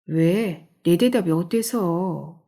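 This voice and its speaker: A woman's voice: on the low side, measured pace, dark tone. A woman voicing a curt, irritable middle-aged husband in an audiobook.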